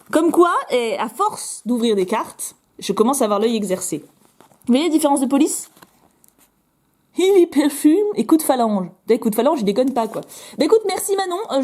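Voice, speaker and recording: Her voice sits high with a darkish tone as this young YouTuber chats casually to camera. She opens her fan mail in a bubbly, playful way, dropping in lots of small fillers and repetitions.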